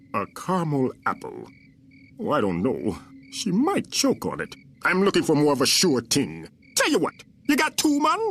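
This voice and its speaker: This cartoonish character voice moves at a moderate pace, broken by long, frequent pauses. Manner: dry, impatient, irritable.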